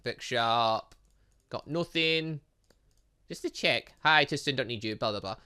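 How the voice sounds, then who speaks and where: A person giving casual let's play commentary on a game, rambling and thinking out loud as they go. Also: mid-range voice, unhurried, clear, resonant tone. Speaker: gaming video host.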